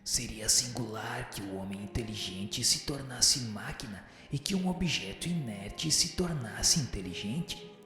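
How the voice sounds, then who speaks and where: Solemn male spirit teacher played by a man, radio drama, formal and measured, in long cavernous reverb over music. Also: fairly low pitch, sharp tone, heavily acted. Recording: reverberant echoing hall, music underneath.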